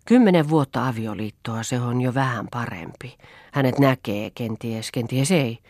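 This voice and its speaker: A woman's voice: extremely low pitch, a little mellow, no echo, studio quality. A woman reading the part of a proud, headstrong young woman who speaks in a challenging, mocking way. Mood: defiant.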